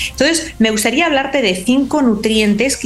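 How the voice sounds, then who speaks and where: Lively intonation with audible room echo and noticeable background noise. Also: woman. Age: 40s. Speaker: naturopathic doctor. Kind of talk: casual chat.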